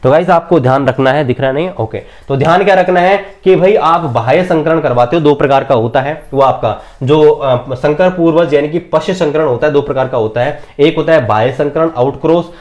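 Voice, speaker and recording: A man's voice: on the high side, brisk, hardly any pauses, darkish tone. A man teaching an exam-prep biology lesson at a board, quizzing students and answering his own questions, stretching key terms word by word.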